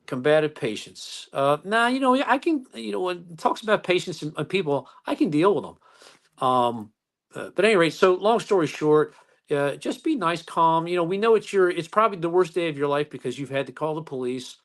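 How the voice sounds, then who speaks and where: A man who is a police officer, telling stories calmly in a casual interview, with many fillers and restarts. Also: fairly high pitch, a little fast.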